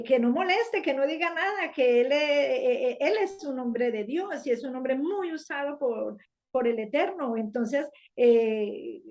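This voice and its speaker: Earnest woman giving a halting testimony. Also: on the high side, darkish tone. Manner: earnest, halting with many fillers and restarts. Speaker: church member giving testimony. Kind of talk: personal religious testimony. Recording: dull lo-fi sound.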